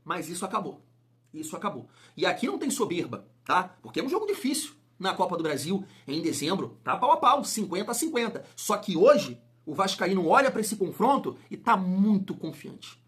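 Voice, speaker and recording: A man's voice: sits high, big pitch swings, normal speed, fairly bright tone. A man hosting a football fan vlog, talking emphatically and firing off rhetorical questions. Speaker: football fan channel host. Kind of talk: casual vlog commentary.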